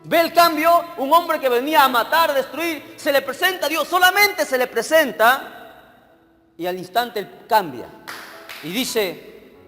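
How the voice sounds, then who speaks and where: A man with a high voice preaches a sermon in a church hall, with a long reverb trailing his words. He keeps asking his listeners questions and checking that they are with him, while faint music plays underneath. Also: lively intonation, a little slow, pushed and bright. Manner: questions the congregation directly, checking they follow. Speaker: evangelist preacher.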